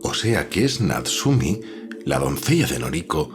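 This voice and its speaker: A man playing a calm, analytical editor in an audio drama, speaking in a measured, reflective way. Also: low-pitched, music in the background. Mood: curious, analytical.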